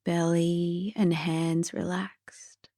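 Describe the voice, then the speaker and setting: Slow, soothing woman guiding sleep meditation. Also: lowish voice, little pitch movement, no room sound, clean studio sound. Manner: gentle, soothing, soft breathy delivery drifting near whisper. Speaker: meditation guide.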